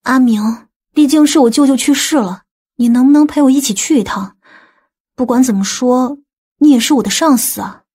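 A woman's voice: high voice, moderate pace, a little mellow, husky. A woman playing a distressed, pleading female employee in an audiobook novel, sounding plaintive.

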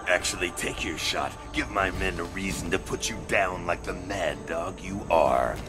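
A man's voice: low voice, normal speed, close to an everyday voice. An actor playing an arrogant, sadistic male mercenary boss in a video game. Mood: smug menace. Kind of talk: cinematic video game acting. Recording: dramatic music behind the voice.

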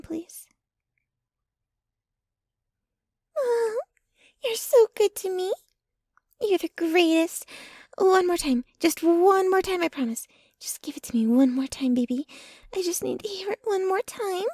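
A woman playing a possessive, jealous young girlfriend in an intimate ASMR roleplay, sweetly menacing, with a breathy voice that often drops to a whisper and a cooing, clinging manner. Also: very high voice, darkish tone, no echo, studio quality. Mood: needy, adoring. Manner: slow, cooing, clinging to the listener.

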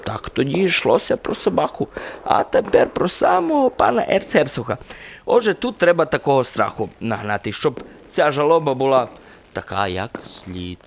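An actor playing a garrulous, cheerful simple soldier who rambles through folksy anecdotes in a radio drama. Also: male voice, medium pitch, big pitch swings, moderate pace, gravelly. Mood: cheerful rambling. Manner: folksy, chatty, rambling storytelling.

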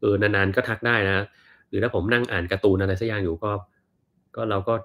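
A man in his thirties, from Thailand, hosts a relaxed livestream and answers viewer questions one after another. His voice sits a little low. He talks in an easygoing, meandering way, thinking aloud with plenty of fillers. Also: a little fast. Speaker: doctor and livestream host. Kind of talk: casual livestream Q&A, reading viewer comments.

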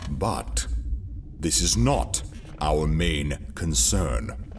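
Male actor as calculating Imperial conspirator, audio drama, slow deliberate delivery, swooping intonation, background ambience noise. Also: extremely low pitch, animated, exaggerated voice. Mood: ominous, measured. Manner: deliberate, dry, theatrical pauses.

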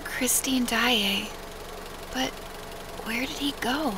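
A woman playing a shaken, earnest young woman in an audio drama, speaking haltingly and hesitantly. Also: a little high, background noise. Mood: dazed. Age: young adult.

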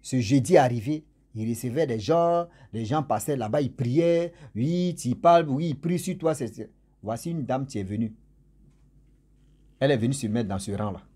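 A man's voice: mid-range voice, moderate pace, dark tone, husky. A man telling a story casually, with chatty, jokey asides to his listeners.

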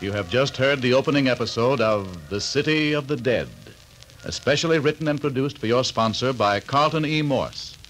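A man's voice: mid-range voice, expressive, moderate pace, fairly bright tone, poor audio. A man announcing and narrating a 1940s radio drama in a dramatic, ominous way. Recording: old radio broadcast with faint music.

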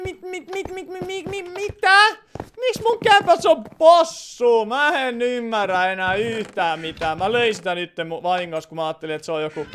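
A man's voice: high-pitched, a little hiss or hum. A man doing live gameplay commentary on a stream, rambling and chatty, answering viewer comments with sudden startled outbursts.

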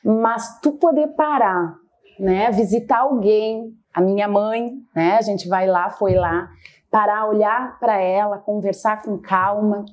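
A woman's voice: medium pitch, slow. A middle-aged woman with a southern Brazilian accent, talking conversationally about her own experience as an interview guest. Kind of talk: conversational personal testimony.

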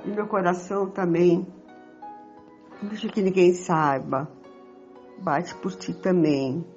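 A woman's voice: fairly low pitch, steady tone, takes it slowly, darkish tone. A tender but sly Brazilian sweetheart, played by an older woman in an amateur radio soap. Her recording is dull, with faint music behind it.

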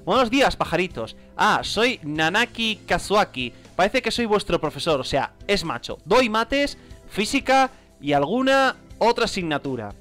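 A man with a Spain Spanish accent reads game text aloud and gives excitable, bewildered gameplay commentary. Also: high voice, a little slow, soft background music. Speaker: gamer.

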